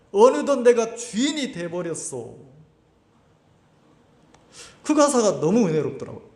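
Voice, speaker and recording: A male pastor preaching a sermon, putting rhetorical questions to the congregation and acting out the voices of churchgoers. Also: high-pitched. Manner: asks the congregation rhetorical questions and answers them; acts out quoted voices of churchgoers. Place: church hall at a summer camp. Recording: echoey hall.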